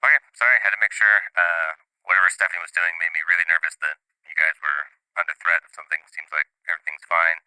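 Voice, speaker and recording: Guy doing a low, sharp-sounding sarcastic mage, clean dry voice. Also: steady tone, quick pace, few pauses, clean tone, no echo, poor audio. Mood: stern. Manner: sarcastic, scolding. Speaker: player voicing a mage on a sending call. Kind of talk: tabletop role-play.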